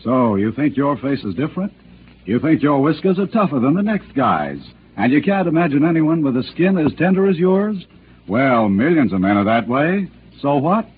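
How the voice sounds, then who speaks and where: Man, radio announcer, upbeat sales pitch, lively intonation, tinny old broadcast, faint hiss. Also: normal speed. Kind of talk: live radio commercial.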